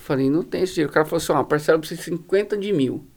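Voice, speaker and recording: A man with a Brazilian Portuguese accent, a pastor telling stories as a podcast guest in slangy, animated casual talk full of fillers. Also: a little high, very fast. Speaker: guest, pastor running a social project. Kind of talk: casual storytelling in a podcast conversation.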